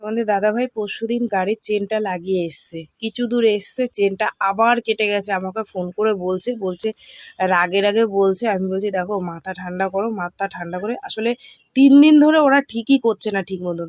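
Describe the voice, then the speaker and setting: A woman's voice: medium pitch, fairly quick, a little mellow, no echo, studio quality. A middle-aged Bengali-accented woman chatting to viewers about her household chores in a casual home vlog. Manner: chatty, addresses viewers directly. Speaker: home vlogger. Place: small home, indoors.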